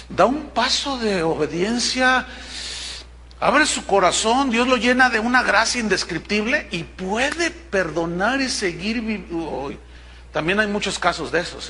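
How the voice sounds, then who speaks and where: A man's voice: high voice, pushed and bright, a little hiss or hum. A middle-aged man preaching a sermon as pastor, emphatic and stopping to check that his listeners follow. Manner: emphatic, with rhetorical check-ins to the congregation.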